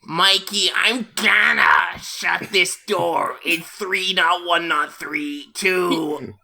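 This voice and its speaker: A woman voicing a cranky teenage turtle inventor with a croaky, witch-like rasp, scolding impatiently in a comedic fanfic reading. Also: fairly low pitch, steady tone, drawn-out words, pushed and bright, voice pushed down, exaggerated voice. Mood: bossy.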